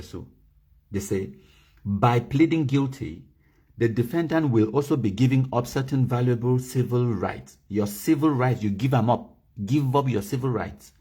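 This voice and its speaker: A man's voice: medium pitch, mellow, slightly rough. A man from Cameroon with a Cameroonian Pidgin English accent, hosting a live broadcast and reading legal text aloud to his viewers. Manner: mixes Pidgin and English, reads documents slowly and stresses key words; addresses viewers directly, asks them to type comments. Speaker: livestream host.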